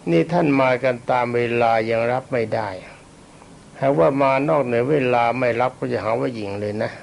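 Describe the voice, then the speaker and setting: Here an aged Buddhist monk from Thailand, unwell and coughing a lot, meanders through a self-deprecating dharma talk, pausing to dredge up names and dates. He has a mid-range, gravelly voice, and there's slight noise in the background.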